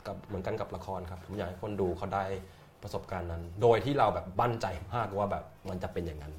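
A low-voiced man talks loosely and casually, circling back and repeating words as he works through his ideas. His speech is slangy and animated. Faint hiss sits under the voice. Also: quick pace. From Thailand. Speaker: theatre director, interview guest. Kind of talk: casual interview talk.

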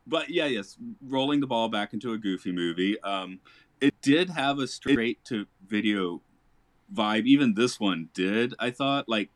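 Low-voiced guy chatting on a podcast, lots of laughs and restarts, dry close mic. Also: expressive, measured pace, no echo. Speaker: podcast host, English teacher. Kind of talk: casual podcast chat. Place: lives in Japan.

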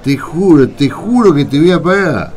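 An actor playing a poor, ingratiating drunk with an Argentine accent in a radio drama, talking colloquially. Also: male voice, on the high side, expressive, moderate pace, darkish tone, lightly acted. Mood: wheedling. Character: wheedling drunken poor man, over-friendly, cowardly.

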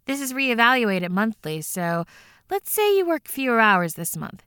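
Chipper caseworker, bright crisp voice, reassuring. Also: female voice, a little high, sing-song, a little slow, no room sound, clean studio sound. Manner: cheerful, reassuring, businesslike. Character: upbeat adult woman housing caseworker. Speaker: housing phone agent.

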